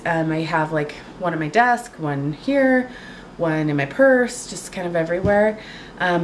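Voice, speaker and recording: A woman vlogging casually to camera at home, chatty and full of fillers, her voice a little raspy from a cold. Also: deep voice, slight background noise. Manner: chatty, lots of fillers and likes. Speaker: beauty vlogger. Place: home, indoors.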